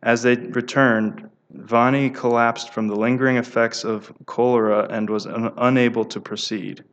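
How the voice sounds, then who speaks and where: A man's voice: mid-range voice, normal speed, dull audio. Man reading devotional stories aloud. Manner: steady reading with small stumbles and restarts. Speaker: speaker giving a devotional talk.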